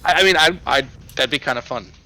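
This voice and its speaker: A man's voice: fairly high pitch, fast talker, background noise. A man who works at a grocery store, explaining things hesitantly with many fillers while gaming. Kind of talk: casual chat while gaming.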